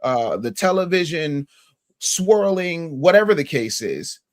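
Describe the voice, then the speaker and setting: Male panelist, forceful and lecturing, lively higher voice. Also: measured pace. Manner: emphatic, argumentative, lecturing with rhetorical questions. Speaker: podcast panelist. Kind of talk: heated panel discussion.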